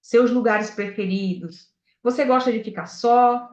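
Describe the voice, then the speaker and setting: Speaking a little slowly in a voice on the high side, a sales director delivers a motivational talk with real animation. She draws on personal stories and asks her audience direct questions. The recording has echo and a dull, low-fidelity sound.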